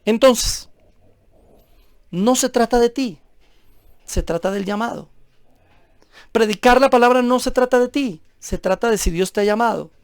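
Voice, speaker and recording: A man's voice: very high-pitched, measured pace, vocal fry, long pauses, clean tone, no echo. Man, pastor, sermon, emphatic, rhetorical questions, dry recording.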